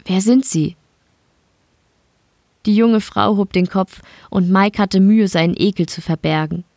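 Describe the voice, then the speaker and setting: A woman from Bavaria narrating an audiobook in a steady, measured storytelling manner. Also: medium pitch, no echo, studio quality. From Bavaria, Germany. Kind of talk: scripted narration.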